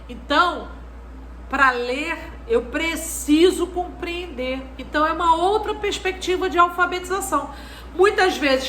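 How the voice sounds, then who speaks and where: A woman giving an expressive, chatty lecture on teaching literacy and mixing in classroom stories. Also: sits high. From Brazil. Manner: expressive, chatty, constantly adds "né". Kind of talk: lecture mixed with classroom anecdotes. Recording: echoey room with faint noise.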